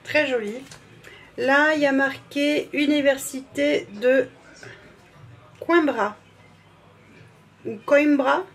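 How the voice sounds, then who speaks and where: A woman's voice: high-pitched, steady tone, unhurried, fairly bright tone. A woman vlogger in casual, gushing chat, fumbling and apologizing as she reads out names. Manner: fumbles and restarts while reading labels.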